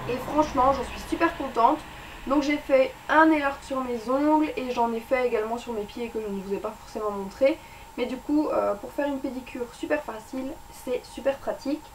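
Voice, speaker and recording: A woman's voice: fairly high pitch, recorded from a distance, slight background noise, low-quality recording. A young woman chatting casually as a beauty vlogger, reviewing her monthly favorites with lots of fillers and restarts, recorded indoors at home.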